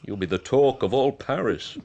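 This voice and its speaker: An actor playing a cold, vengeful count in a radio drama, measured and coolly menacing. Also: male voice, mid-range voice, gravelly, mellow, lo-fi sound. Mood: cold menace. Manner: measured, icily polite, menacing.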